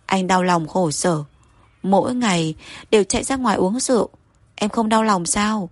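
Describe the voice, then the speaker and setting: A woman reading the lines of a young husband who coaxes and pleads softly with his wife, in a husky voice. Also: medium pitch, no room sound, natural voice. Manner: soft wheedling pleading.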